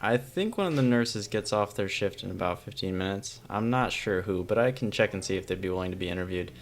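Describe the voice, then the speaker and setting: A man's voice: low voice, lively intonation, brisk, slight background noise. A man playing an obliging hospital front-desk assistant in a fiction podcast.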